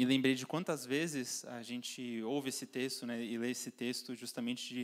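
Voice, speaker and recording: A man is speaking. His intonation is fairly even. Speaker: lay preacher. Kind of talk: sermon. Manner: halting, many fillers.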